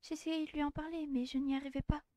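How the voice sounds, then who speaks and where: A bashful teenage girl speaks in a high, quiet, hesitant voice, stumbling over her words. A woman voices her. The sound is close and dry, with no room around it. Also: flat delivery, fast talker, dry recording, close to an everyday voice. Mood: timid. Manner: soft, hesitant, stammering. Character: shy timid teenage schoolgirl, blushing.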